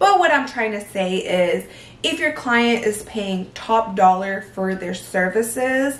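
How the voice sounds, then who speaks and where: A woman's fairly high voice, very slow and lively in intonation. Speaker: lash artist and YouTuber. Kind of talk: casual tutorial vlog. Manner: stumbles over words; casual, filler-heavy.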